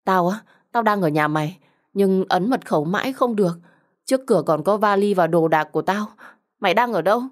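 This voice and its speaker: A woman's voice: mid-range voice, brisk, natural voice. A woman acting a desperate, furious betrayed young woman. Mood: frantic pleading. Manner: pleading, agitated, urgent.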